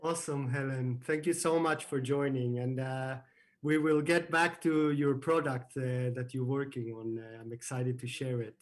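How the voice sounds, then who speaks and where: A man hosting an online program's opening, welcoming the participants over a video call with many pauses and fillers. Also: medium pitch, fairly even intonation. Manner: hesitant, many fillers and restarts. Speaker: program host.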